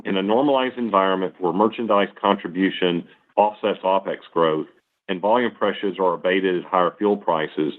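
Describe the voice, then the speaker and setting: Male company executive, middle-aged, deep voice, formal scripted delivery for an earnings call, thin phone-band audio. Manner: formal, measured, enumerating points. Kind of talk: scripted corporate presentation. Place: conference call line. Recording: narrow, tinny phone-line sound.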